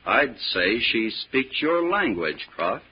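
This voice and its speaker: A man's voice: mid-range voice, big pitch swings, slow, breathy edge, heavily acted. An actor playing a scheming young man-about-town in gambling debt, suave, clipped and brazen, in 1940s radio drama style. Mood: smooth, scheming. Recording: muffled, noisy vintage radio recording.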